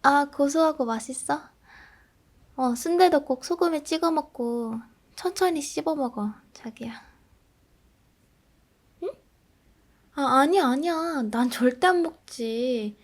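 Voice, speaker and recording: A woman in a soft role-play, playing a grumpy, sulky girlfriend who is on a diet and low on self-esteem. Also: takes it slowly, long pauses.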